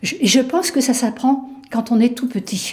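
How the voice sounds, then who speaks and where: A woman talks in a high pitch and moves at a very slow pace. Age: 80s+. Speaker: nativity scene collector. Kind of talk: interview. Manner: hesitant, many fillers.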